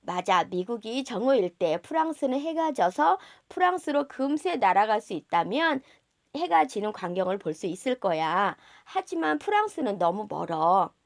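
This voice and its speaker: A woman's voice: fairly high pitch, creaky, no room sound, clean studio sound. A woman reading a tender, musing storybook pilot. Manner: tender, musing address to a child. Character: gentle reflective grown-up male pilot, storybook narrator.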